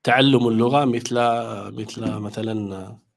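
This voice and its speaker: A man with an Algerian Arabic accent lecturing as a language teacher. He talks in rapid Arabic, then slows into careful English with many fillers. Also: on the low side, fairly even intonation.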